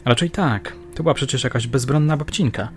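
A man's voice: mid-range voice, brisk, soft background music, close to an everyday voice. A man voicing a tough, sardonic female police officer who smokes, in an audiobook. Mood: dry.

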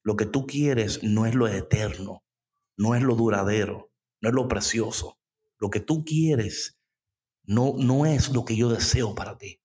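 A man voicing God as a calm, patient father figure, speaking softly and gently. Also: lowish voice, a little slow, husky. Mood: tender.

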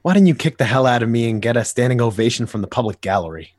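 A man voicing a manic, menacing male clown villain in a dramatic comic reading, theatrical and husky. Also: mid-range voice, lively intonation, quick pace, a little mellow, no room sound, clean studio sound, lightly acted. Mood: taunting. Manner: theatrical, swings between menace and giggling.

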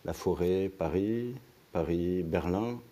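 A man hosting a literary conversation, halting and searching for words with many fillers. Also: deep voice, warm tone. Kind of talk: interview conversation.

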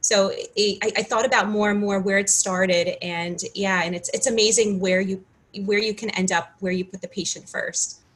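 A woman's voice: medium pitch, steady tone, normal speed, a bit bright, rough recording. Earnest woman guest from Ukraine. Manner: earnest, restarts often, many "you know"s. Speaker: pharmacist guest. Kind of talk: casual interview chat.

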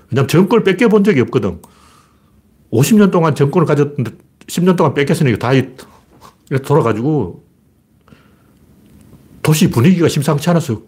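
A man's voice: on the high side, darkish tone, breathy edge. A man hosting a political talk show, telling stories in a blunt, rambling way. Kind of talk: casual political monologue.

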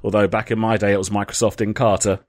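A man's voice: on the low side, little pitch movement, quick pace, no room sound, clean studio sound. A man hosting a casual podcast, rambling and joking at his own expense. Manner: jokey, rambling, laughs at himself. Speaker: podcast host.

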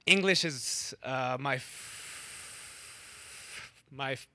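A man's voice: mid-range voice, drawn-out words, sharp tone. A young man from Wisconsin telling a personal story to an audience, with a stutter that repeats words and cuts off syllables.

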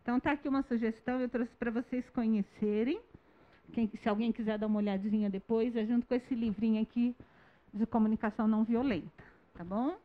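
A woman, a childcare teacher giving a gentle talk to parents and acting out calm talks with children. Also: a little high, brisk. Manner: gentle explaining tone, acts out dialogues with children. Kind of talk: talk to parents on nonviolent communication. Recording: dull lo-fi sound.

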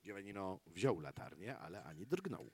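A man narrating a fairy tale theatrically and deliberately, with strong swings between hushed and loud delivery. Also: low voice, big pitch swings, slightly rough. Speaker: storyteller in a performed concert radio play. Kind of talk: dramatic fairy-tale narration, live storytelling. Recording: live concert with loud music. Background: loud live instrumental music.

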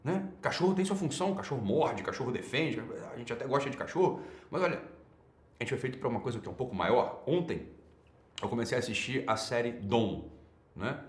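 A man's voice: medium pitch, lively intonation, fairly quick. Emphatic Brazilian man, roomy echo. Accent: Brazilian Portuguese. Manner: emphatic, repeats key words. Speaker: online talk host. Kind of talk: livestream talk answering chat.

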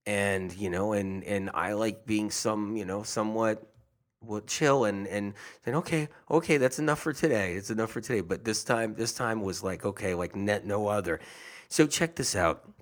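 A man's voice: fairly low pitch, normal speed. A man talking casually and earnestly to his audience about health, rambling and often repeating himself. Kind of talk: casual monologue.

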